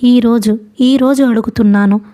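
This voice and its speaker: A woman reads as an anxious mother in a storybook reading, pleading and pitiful. The voice is fairly high and soft-toned. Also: steady tone, moderate pace, natural voice.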